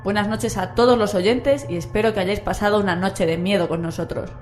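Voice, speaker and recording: A woman from co-presents a horror radio programme. She has a medium-pitched voice for announcements and sign-offs, with quiet music behind her. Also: steady tone, brisk.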